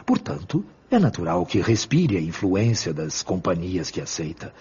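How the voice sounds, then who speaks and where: Audio drama role: wise, serene male spirit guide, acted by a man, low voice, didactic and formal, lively intonation, muffled recording. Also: slightly rough, exaggerated voice. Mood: patient, firm. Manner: measured, didactic, formal diction. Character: calm wise male spirit mentor, patient and firm. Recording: dull lo-fi audio.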